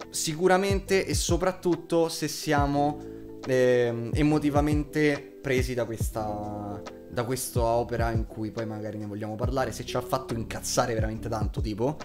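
Young male vlogger, twenties. Mid-pitched, informal, slangy review delivery over clear guitar music. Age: 20s. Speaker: YouTube reviewer. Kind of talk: casual spoken TV series review. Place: small home room with shelves, indoors. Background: background guitar music.

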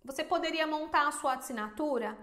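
A Brazilian woman with a very high voice talks straight to her viewers about business, emphatic and animated. She keeps throwing in rhetorical questions. The room around her is echoey. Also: brisk. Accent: Brazilian Portuguese. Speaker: small business owner and teacher. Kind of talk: casual advice to viewers.

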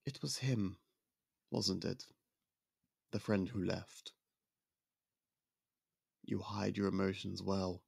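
An actor playing a young prince in an ASMR roleplay, speaking in polite, formal, soft-spoken courtship talk close to the mic. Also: male voice, deep voice, vocal fry, breathy edge, dry recording, heavily acted.

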